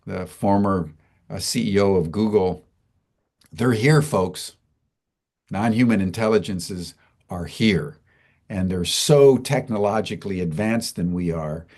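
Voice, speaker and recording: Low-voiced man hosting, halting and slow. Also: darkish tone. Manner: halting, many "uh" fillers and restarts. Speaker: host. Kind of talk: slow, hesitant interview talk.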